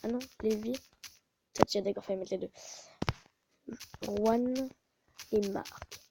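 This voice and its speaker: A woman's voice: medium pitch, fairly even intonation, slow, vocal fry, noisy background. A woman hosting a casual gaming video, muttering to herself and often stopping to correct herself, recorded on a phone. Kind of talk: casual gameplay commentary.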